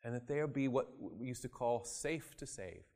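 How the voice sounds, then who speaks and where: A man preaching a sermon, acting out quoted voices and swinging from loud emphasis to quiet asides. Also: medium pitch, animated, moderate pace. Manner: dramatic, acts out voices in quoted scripture.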